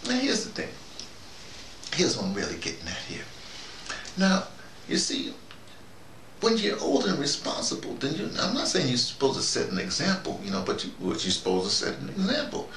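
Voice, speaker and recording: A man's voice: medium pitch, huge pitch swings, moderate pace, long pauses, a bit bright. An older man delivers a rambling, folksy, preachy monologue, repeating phrases for emphasis. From United States. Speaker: vlogger, audio dramatist. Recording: roomy, distant mic, faint background noise.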